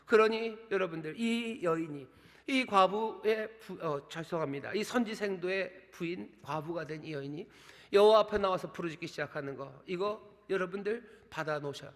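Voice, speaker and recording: Korean pastor preaching in a big hall. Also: male voice, sits high. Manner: earnest preaching that swings between loud appeals and quiet asides; acts out quoted lines in everyday tones. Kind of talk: sermon. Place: large church sanctuary. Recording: long reverb of a large sanctuary.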